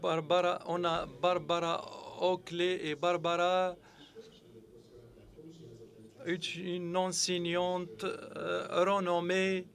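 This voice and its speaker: A man speaks at a conference in a high voice that hardly rises or falls. He moves very slowly and hesitantly, filling gaps and restarting his words. The delivery sounds stalled and uncertain throughout. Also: vocal fry, fairly bright tone. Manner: very hesitant, constant "euh" and restarts. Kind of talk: halting conference presentation.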